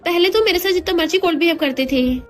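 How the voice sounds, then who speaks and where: A woman's voice: very high voice, quick pace, soft background music. A woman voicing a cocky, bossy young man who teases the woman he married, in a retold drama scene. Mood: teasing. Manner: teasing, bossy. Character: cocky young male heir, teasing and bossy.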